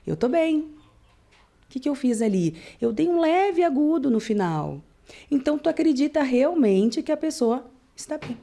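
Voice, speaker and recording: Mellow-voiced speech therapist explaining. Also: female voice, fairly high pitch, gravelly. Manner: explanatory, demonstrates intonation with examples. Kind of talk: casual podcast interview.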